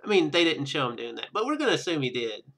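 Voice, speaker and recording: A man's voice: on the high side, big pitch swings, quick pace, pushed and bright. A man hosting a let's play with casual, rambling, joking commentary.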